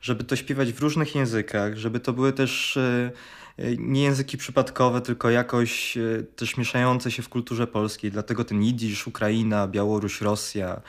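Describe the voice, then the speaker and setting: Medium-pitched man explaining haltingly. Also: little pitch movement. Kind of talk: explanatory reminiscence.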